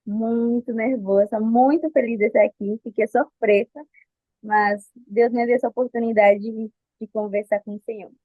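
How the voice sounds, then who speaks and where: Speaking at a moderate pace with fairly even intonation, a woman with a slightly high voice gives nervous personal answers as an interview guest. She's in her twenties, from Colombia, and uses Portuguese as a second language with a Colombian Spanish accent, often hesitating and restarting. The audio is dry, phone-like and echo-free.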